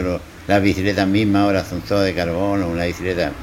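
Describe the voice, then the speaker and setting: Over noticeable background noise, a man with a fairly low pitch talks at a fairly quick pace. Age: 70s. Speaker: retired cyclist. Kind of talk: interview.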